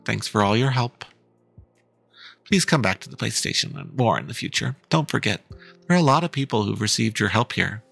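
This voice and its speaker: A man's voice: mid-range voice, creaky, fairly bright tone. A man casually reading a game's dialogue aloud, playful and with offhand asides. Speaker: streamer.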